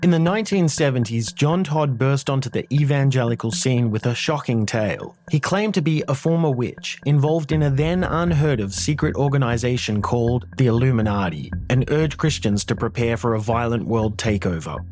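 A man's voice: medium pitch, animated, normal speed, few pauses, a little mellow. Man narrating a dramatic podcast trailer. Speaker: promo narrator.

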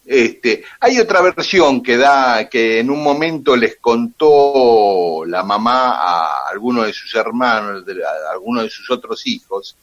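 Radio guest: Argentine man, mid pitch, patient detailed storytelling, dull lo-fi broadcast. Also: takes it slowly. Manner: detailed, steady, with "eh" and "este" fillers.

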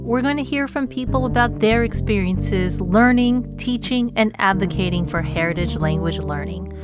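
A woman with a middle-pitched voice hosts a podcast in a clear, friendly, even tone. Her voice sits over a loud guitar music bed. She switches between scripted narration and questions to her producer. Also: moderate pace. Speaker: podcast host.

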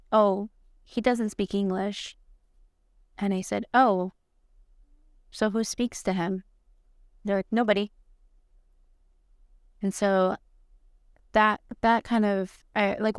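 A woman's voice: mid-range voice, darkish tone, no echo, studio quality. A young woman teacher from Atlanta whose first language is Spanish, speaking thoughtfully in an interview with frequent ums and likes. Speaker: art teacher. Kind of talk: reflective podcast interview.

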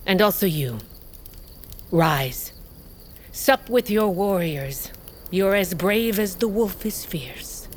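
A woman's voice: medium pitch, lively intonation, takes it slowly, pauses often, a little hiss or hum. An actress playing a proud, hard tribal queen who gives firm orders in an audio drama. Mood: scheming. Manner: authoritative, clipped commands. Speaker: queen of a wolf tribe.

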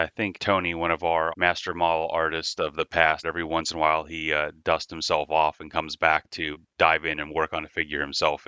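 A man talking as a guest on a podcast, explaining a toy design in a relaxed way with many fillers. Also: very deep voice, dry recording, dull audio. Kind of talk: casual podcast interview.

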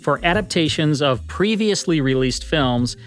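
A man's voice: a little high, expressive, a little slow, faint music behind. A man reading scripted narration as co-host of a podcast about radio history.

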